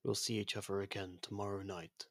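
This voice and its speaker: A man playing an ancient otherworldly being with a destructive past, speaking formally and gently in an intimate ASMR roleplay, with a soft husky voice. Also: lowish voice, level tone, no room sound, clean studio sound. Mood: fond, gentle. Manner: measured, formal, gently confiding. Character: ancient genocidal otherworldly being, imprisoned, now courteous and fond.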